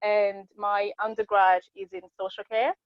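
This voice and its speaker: A woman's voice: medium pitch, little pitch movement, moderate pace, no room sound, dull audio. A woman in her late twenties from Congo whose first language is French, a podcast guest talking earnestly in casual conversation with frequent fillers. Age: late 20s.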